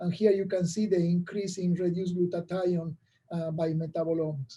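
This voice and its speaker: At a fairly quick pace, a man speaks in a high pitch with a dark, mellow tone. His intonation stays monotone and flat. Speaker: professor of medicine. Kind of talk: scientific lecture. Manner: halting, with many fillers.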